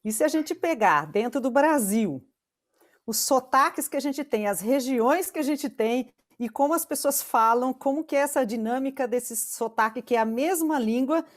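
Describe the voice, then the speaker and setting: Woman panel moderator from Brazil, slightly high voice, chatty and musing. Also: expressive, normal speed. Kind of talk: casual panel chat.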